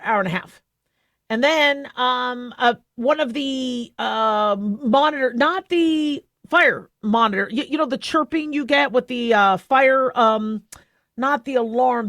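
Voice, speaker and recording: A middle-aged woman hosting a radio talk show, telling a rambling story in a casual way and acting out her pets in high squeaky voices. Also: a bit bright, dry recording, studio quality.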